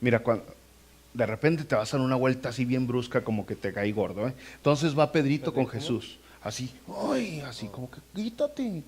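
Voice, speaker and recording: A man preaching a sermon as pastor in a church. He talks to the congregation directly and acts out scenes with animated voices. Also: medium pitch, a little fast, a little hiss or hum. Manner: conversational, addresses the congregation directly. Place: church sanctuary.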